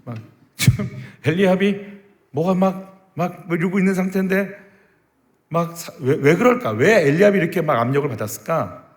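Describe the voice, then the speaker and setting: Brief: male pastor preaching, emphatic rhetorical questions, fairly high voice, long church reverb. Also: lively intonation, moderate pace. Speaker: senior pastor. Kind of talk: sermon. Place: church sanctuary.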